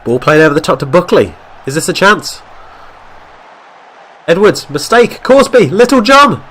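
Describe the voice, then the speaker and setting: A man with a fairly high voice and a blocked-up nose from a coming cold talks through football game highlights. He narrates each pass as it happens and raises his voice at the near misses. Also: moderate pace. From Wales. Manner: excitable play-by-play, shouts at near misses. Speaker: gaming YouTuber. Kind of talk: game commentary.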